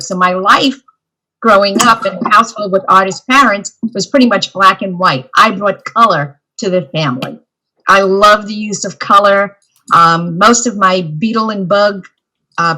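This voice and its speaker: Bright Brooklyn-accented woman artist. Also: mid-range voice, rough recording. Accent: Brooklyn mixed with Southern US. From Brooklyn, New York. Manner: friendly, with light fillers. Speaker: self-taught artist. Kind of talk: casual panel talk. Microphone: video call.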